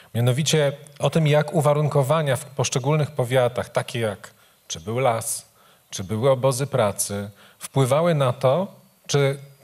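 A man's fairly high voice comes across somewhat breathy, with ordinary pitch variation. He keeps a moderate pace over a quiet background. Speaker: journalist and moderator. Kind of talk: moderated panel discussion. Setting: stage with audience. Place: hall. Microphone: handheld.

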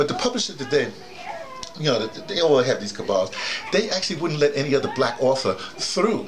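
Over noticeable background noise, a man with a fairly high pitch speaks fairly quickly, his pitch swinging very widely. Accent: American. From United States. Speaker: vlogger and commentator. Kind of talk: casual video monologue. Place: home room. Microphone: camera far.

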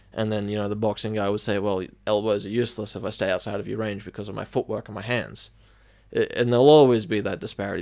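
A man with an Australian accent talks at a very fast pace and a fairly low pitch. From Queensland, Australia. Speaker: martial artist. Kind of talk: casual chat.

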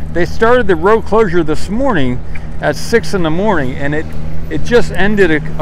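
Over noticeable background noise, a man speaks at a moderate pace with ordinary pitch variation in a dry sound with no echo. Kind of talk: casual vlog commentary. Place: open country. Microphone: phone near.

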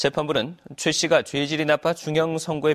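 A man with a plain, everyday voice, fairly high pitch and a fairly quick pace, in a dry, close sound with no echo and a very clean recording with a silent background. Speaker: news anchor. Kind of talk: news reading.

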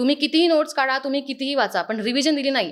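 A woman talks high in pitch on a very clean recording with a silent background. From Karjat, Raigad, Maharashtra. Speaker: successful exam candidate. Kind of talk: motivational talk to students.

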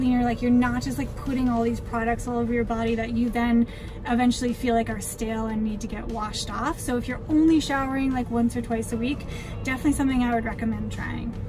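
Over clear background music, a woman talks at a very fast pace in a flat monotone. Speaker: van life vlogger. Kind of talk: casual vlog tutorial. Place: car. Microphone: phone near.

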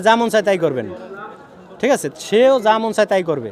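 Crowd noise fills the background as the speaker talks with ordinary pitch variation. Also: man. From Barishal division, Bangladesh (Pirojpur). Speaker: street interviewer. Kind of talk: playful debate interview. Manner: animated.

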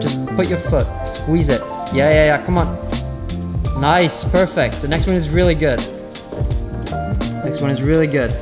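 Clear music in the background accompanies a man who speaks at a moderate pace. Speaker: climbing coach. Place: gym.

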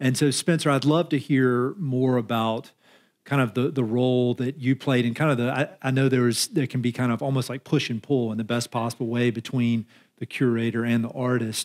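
Against a quiet background, a man speaks in a Southern US accent. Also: fairly quick pace. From US South. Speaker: podcast host. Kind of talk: live interview. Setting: stage with audience.

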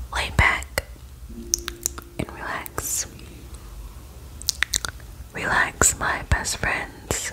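A woman whispers very slowly in a soft-spoken, soothing tone, with noticeable background noise behind her. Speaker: ASMR creator. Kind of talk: soft ASMR whisper talk. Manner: soft ASMR whisper, soothing.

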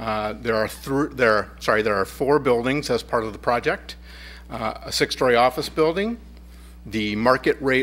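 Vocal fry marks this man's voice. His pitch varies in an ordinary way. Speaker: city planning staff. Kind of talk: project presentation at public meeting. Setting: council chambers meeting. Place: hall.

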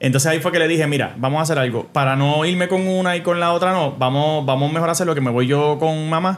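Talking at a very fast pace, a man with a Puerto Rican accent speaks at a fairly high pitch. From Puerto Rico. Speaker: comedian and podcast host; comedian, podcast host. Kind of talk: casual chat. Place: studio. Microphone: studio mic.

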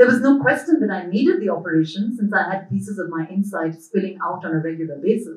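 A woman speaks at a fairly quick pace in a somewhat breathy voice with lively intonation, against a quiet background with audible room echo. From India. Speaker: author and academic; author on a panel. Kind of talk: reading aloud. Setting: stage with audience. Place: hall.

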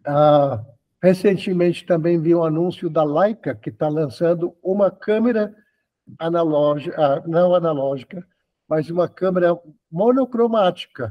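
This man's voice sits high in pitch, with ordinary variation and a fairly slow pace. The background is quiet. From Mexico, then Los Angeles from age nine. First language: Spanish (speaking Portuguese). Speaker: retired photography professor and photographer; retired photography professor. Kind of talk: interview. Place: home room. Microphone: video call.

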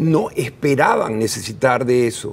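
A man speaks with lively intonation. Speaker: former politician as interview guest. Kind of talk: interview answer. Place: studio. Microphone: lapel.

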